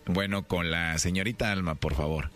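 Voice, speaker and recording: A man on a radio prank call posing as a salesman, with smooth, flirtatious patter. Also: low voice, fairly even intonation, moderate pace, fairly bright tone, slight background noise.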